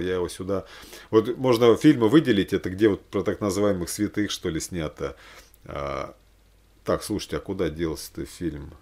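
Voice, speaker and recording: A man's voice: fairly low pitch, darkish tone. A man in his forties talking casually and unscripted, rambling and thinking aloud with hesitant asides. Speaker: religious vlogger recommending films. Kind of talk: casual, unscripted chat to camera. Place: small room at home, indoors.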